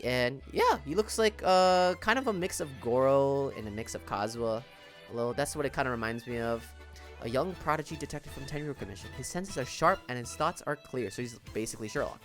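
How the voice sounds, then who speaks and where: A young man hosts a casual gaming reaction while sick with throat trouble. His delivery is slangy and laid-back at a medium pitch, with faint music behind him. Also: a bit bright. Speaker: reaction video host.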